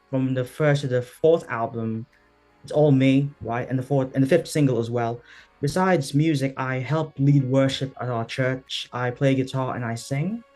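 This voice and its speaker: A man's voice: mid-range voice, a little mellow. A man from the Philippines with a British English accent, a guest answering interview questions over a video call in an earnest, reflective way. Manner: earnest, reflective, sprinkles in "right?" and "you know". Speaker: guest, singer-songwriter.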